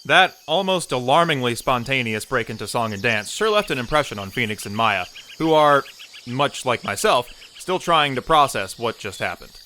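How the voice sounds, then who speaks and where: A wry audio drama narrator played by a man with a bright, forward voice at middle pitch. He tells the scene like a storybook, over faint background noise. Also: expressive, moderate pace. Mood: wry, descriptive.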